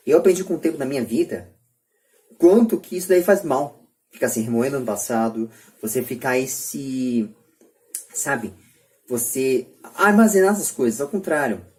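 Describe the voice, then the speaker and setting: This podcast speaker, a man with a Brazilian accent, joins a group call from home and argues his opinions earnestly, stressing and restating each point. He has a somewhat high, slightly mellow voice.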